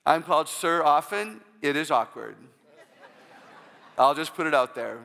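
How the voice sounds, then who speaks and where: A woman with a low voice, often taken for a man's, giving an inspirational church talk full of humorous personal stories and call-outs to the audience. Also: animated, unhurried, creaky, fairly bright tone, in a large hall, a faint crowd.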